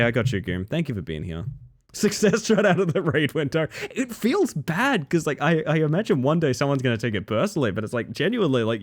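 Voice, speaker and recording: A male streamer at the end of a long session, chatting casually with viewers in a sleepy, crackly voice. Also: medium pitch. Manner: friendly, rambling, thanks viewers. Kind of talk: casual stream sign-off chat.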